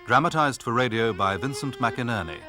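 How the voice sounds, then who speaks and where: A male announcer reading the credits of a radio drama in a measured, formal way. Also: medium pitch, animated. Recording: violin music underneath.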